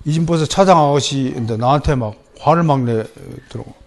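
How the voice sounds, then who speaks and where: A middle-aged male pastor with a Gyeongsang accent, preaching a sermon lecture in a lively, animated way, often mimicking others. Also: mid-range voice, fairly quick, vocal fry. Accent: Gyeongsang Korean. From Gyeongsang region, Korea. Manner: lively, animated, mimics people in quoted voices.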